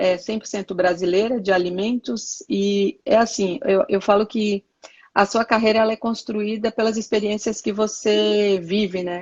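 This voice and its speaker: A woman with a Bahian accent, medium pitch, fairly even intonation and a fairly slow pace. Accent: Bahian Brazilian Portuguese. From Bahia, Brazil. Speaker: sales executive. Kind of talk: interview. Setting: Instagram live video call.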